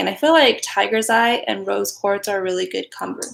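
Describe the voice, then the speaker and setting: Soft-spoken and with lively intonation, a woman talks at a fairly quick pace on a very clean recording with a silent background. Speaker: tarot and angel reader. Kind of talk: live stream reading. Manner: casual.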